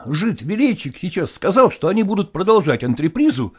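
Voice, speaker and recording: A man's voice: high voice, sing-song, a little fast, breathy edge, voice pushed up, exaggerated voice. A man voicing an agitated, hot-tempered male actor who speaks in a heated, insistent way. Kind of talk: audiobook character voice.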